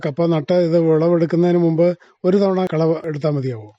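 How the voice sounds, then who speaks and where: A man's voice: on the high side, brisk, no room sound. A man, asking questions as a radio interviewer. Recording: dull, muffled radio recording.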